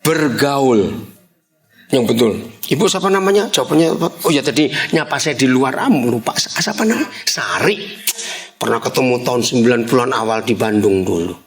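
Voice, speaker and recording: A man's voice: mid-range voice, animated. A man preaching a sermon to a congregation in a church hall, asking them questions and stretching out key words to stress them. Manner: shouts key words slowly to drive them home. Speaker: pastor.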